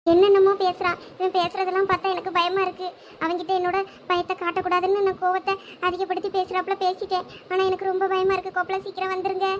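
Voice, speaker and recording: A woman's voice: very high-pitched, slight background noise. A woman playing a kidnapped young wife who is defiant but frightened in a village drama. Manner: defiant, fearful prayer.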